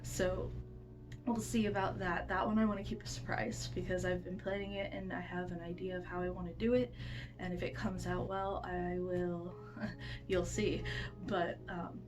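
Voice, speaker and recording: Young woman vlogger, stuffy with a cold, rambling chat at home, loud guitar music behind. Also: on the low side, little pitch movement, normal speed. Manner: rambling, many ums and restarts. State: congested with a cold. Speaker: classics vlogger. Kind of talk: casual vlog chat. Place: home room with bookshelves. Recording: music playing loudly behind.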